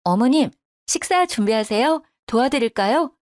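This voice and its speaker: A woman's voice: fairly high pitch, lively intonation, moderate pace, a little mellow, no echo, studio quality, pitched above the performer's own voice, close to an everyday voice. A woman voicing a polite, dutiful young daughter-in-law who talks deferentially and protests sharply when provoked.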